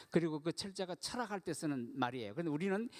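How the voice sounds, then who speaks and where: A man talks fairly quickly. His pitch rises and falls very widely. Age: 60s. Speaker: guest pastor. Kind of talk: sermon.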